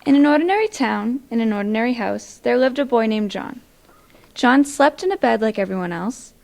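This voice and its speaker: A woman's voice: on the high side, lively intonation, a little fast, vocal fry, darkish tone. A young woman reading a story aloud to children in a library. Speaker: volunteer storybook reader. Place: public library, indoors.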